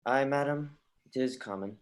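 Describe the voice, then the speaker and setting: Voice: mid-range voice, moderate pace, lightly acted. An actor playing a grieving, bitter young prince in a livestreamed Shakespeare reading, with brooding, emphatic verse delivery. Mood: sardonic.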